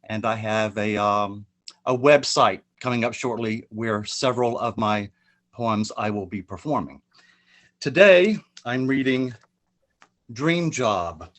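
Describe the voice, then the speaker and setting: A man performing his own prose poem in a virtual reading over a video call, with a dramatic delivery that swings up and down. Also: slow. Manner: expressive dramatic reading, pitch rises and falls. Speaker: poet reading his work.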